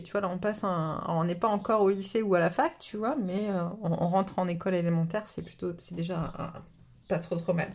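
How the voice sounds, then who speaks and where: A woman's voice: medium pitch, darkish tone. A woman with a cold, giving a casual spiritual card reading, rambling with many fillers and restarts. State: has a cold. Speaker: tarot reader. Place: home table, camera above the cards.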